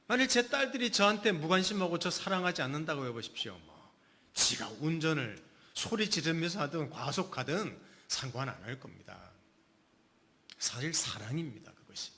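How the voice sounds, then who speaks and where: A man's voice: on the high side, sing-song, fairly quick, sharp tone. A middle-aged man, a pastor, delivering a sermon with emphatic rhetorical questions to his congregation.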